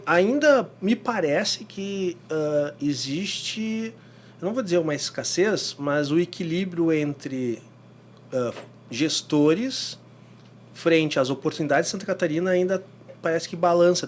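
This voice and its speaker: A male host who builds up to his questions slowly and informally, with plenty of fillers along the way. His voice is a bit high for a man. A faint hum runs under the recording. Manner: informal and rambling, with long lead-ins before his questions. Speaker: podcast host, interviewer. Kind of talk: casual interview questions.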